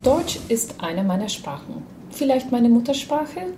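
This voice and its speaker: A woman from Uruguay telling her own story off the cuff, hesitant, with many pauses and filler sounds. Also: a little high, very animated, warm tone, a little hiss or hum. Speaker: interviewee. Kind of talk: unscripted personal account.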